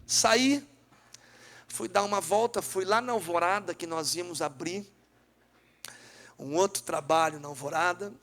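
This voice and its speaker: A man's voice: high-pitched, unhurried, long pauses, a bit bright. A middle-aged man from southern Brazil with a Gaúcho accent, a businessman and pastor giving a fervent spoken testimony at a dinner event and talking straight to his listeners. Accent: Gaúcho Brazilian Portuguese. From Rio Grande do Sul, Brazil. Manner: fervent, acts out dialogue, addresses listeners directly.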